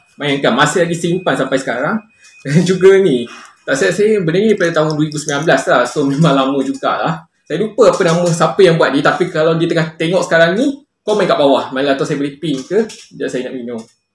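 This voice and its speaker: A man talks at a moderate pace with fairly high pitch and ordinary pitch variation. Audible room echo surrounds his voice. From Malaysia, Temerloh, Pahang; Malaysia. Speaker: vlogger. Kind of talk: casual chat. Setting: home kitchen. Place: home room. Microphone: phone near.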